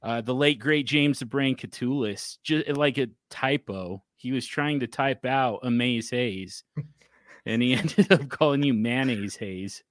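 A man hosting a casual podcast chat, playful and quick to laugh. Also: mid-range voice, dry recording, studio quality. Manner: playful, sing-song show intro, laughs often. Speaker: podcast host.

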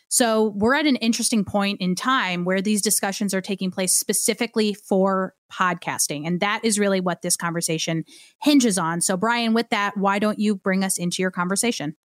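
A woman's voice: mid-range voice, no echo. Woman co-hosting a podcast, dry studio-like sound. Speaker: podcast co-host. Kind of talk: conversational podcast introduction.

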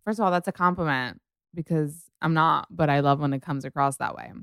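Chatty host, rambling and enthusiastic, low smooth voice, dry studio sound. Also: female voice, brisk, a bit bright, no echo. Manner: gushing, chatty, lots of "like". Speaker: podcast host. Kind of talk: casual podcast chat.

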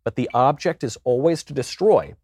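A man's voice: medium pitch, animated, normal speed, a little mellow, slightly rough, no echo, clean studio sound. Wry, lecturing man. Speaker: roundtable panelist, author. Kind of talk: casual political discussion.

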